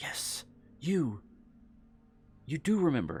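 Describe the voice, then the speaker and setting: This is a put-on character voice with a guttural sound. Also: man, fairly high pitch for a man. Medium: read story. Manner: melting, familiar, self-regarding.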